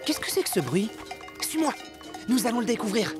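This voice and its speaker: A woman voicing a curious cartoon girl sneaking about in the dark, speaking in a hushed, wondering way. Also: fairly high pitch, very animated, fairly quick. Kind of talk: cartoon dub acting. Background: music.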